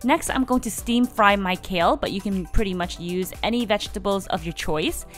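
A woman's voice: mid-range voice, normal speed, faint music behind. Woman vlogger narrating a cooking how-to. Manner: friendly, relaxed instructional talk with upbeat lifts. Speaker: lifestyle vlogger. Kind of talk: cooking voice-over, casual how-to. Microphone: voice-over.

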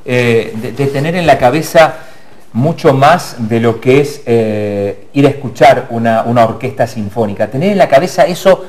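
A man's voice: medium pitch, animated, normal speed, a little mellow. A middle-aged man co-hosting a TV studio talk show, speaking with hesitations and fillers. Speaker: TV co-host. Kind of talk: casual TV chat. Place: TV studio set at a table.

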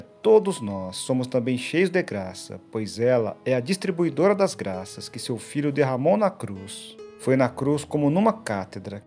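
Guy doing a solemn gospel reading, voice rises and falls a lot, quiet music under it. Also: medium pitch. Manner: solemn, measured liturgical delivery. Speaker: gospel reader and preacher. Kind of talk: scripted gospel reading and reflection. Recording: soft instrumental music behind.

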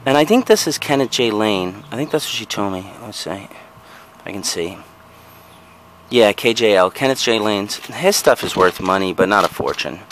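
A lower-pitched man chats his way through a show-and-tell of his purchases, hedging and correcting himself as he goes. He is recorded outdoors on a handheld camera mic. Faint outdoor noise and passing vehicles sit under his voice. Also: lively intonation, normal speed, a bit bright. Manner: rambling, frequent ums and self-corrections. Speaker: vlogger showing resale finds. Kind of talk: casual show-and-tell narration. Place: outdoors in a backyard patio.

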